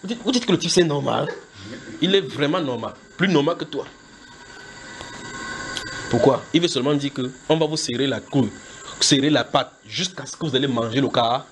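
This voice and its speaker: A man preaching a sermon who retells scripture as a film, with lively, joking storytelling. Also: medium pitch, normal speed, pauses often, background noise. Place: church.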